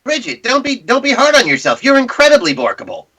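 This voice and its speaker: A man banters playfully in character during a tabletop game. His voice is strikingly high for a man and bright, with pitch that swings widely. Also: wildly swooping pitch, fast, husky, recorded from a distance. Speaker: player in a tabletop roleplaying game.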